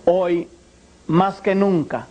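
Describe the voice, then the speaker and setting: Guatemalan man in his forties, earnest preacher-like testimony, warm and a bit high. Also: highs cut off. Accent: Guatemalan Spanish. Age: 40s. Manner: earnest, measured, preacher-like address. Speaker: former priest giving testimony. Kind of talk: religious testimony.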